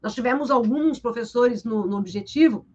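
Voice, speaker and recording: A woman teacher with a Brazilian Portuguese accent, explaining literature in a live interview over a video call, in a lively, explanatory way that keeps checking in with her listener. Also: on the high side, normal speed, dull audio, a crowd in the background. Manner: lively and explanatory, tags sentences with "né?".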